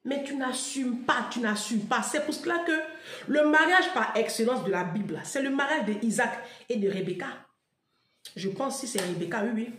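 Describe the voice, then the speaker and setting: A woman's voice: on the high side, lively intonation, moderate pace, a bit bright, reverberant. Chatty Ivorian woman telling a story. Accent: Ivorian French. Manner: chatty, emphatic, laughs often, fillers like "là" and "hein". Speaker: online commentator. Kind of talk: animated storytelling monologue.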